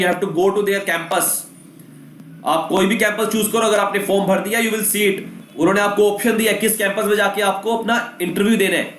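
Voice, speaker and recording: High-pitched coaching teacher, echoey room. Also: male voice, a bit bright. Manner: mixes Hindi and English, lists questions in bursts. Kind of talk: exam-prep lesson. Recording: echoey room with faint noise.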